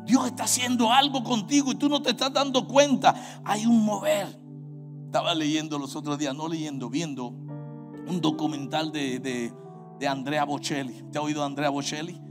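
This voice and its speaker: A man with a Puerto Rican accent preaching a sermon, swinging from quiet talk to shouted, sung exhortation over music. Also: a little high, normal speed. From Puerto Rico. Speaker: pastor.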